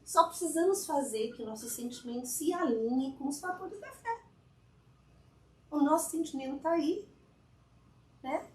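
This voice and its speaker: Woman speaker, high voice, chatty spiritual talk to a crowd, roomy hall, mic set back. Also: animated, unhurried, pauses often, a little mellow. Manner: chatty, often asks the audience "né?". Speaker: guest speaker at a spiritist fellowship. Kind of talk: informal spiritual talk to an audience. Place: lecture hall with a live audience. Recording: echoey hall, mic at a distance.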